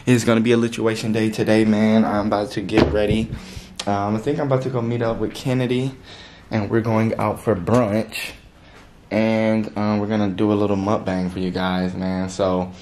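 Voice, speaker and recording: A young YouTuber hosts his vlog in a lowish voice, chatting straight to his viewers in laid-back, slangy talk and calling them "y'all." There's a little hiss or hum in the recording.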